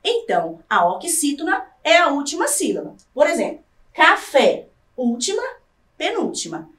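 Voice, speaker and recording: A woman with a Brazilian Portuguese accent teaching a scripted televised lesson, drawing out example words slowly to stress syllables. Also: high-pitched, sing-song, a bit bright, reverberant, distant mic.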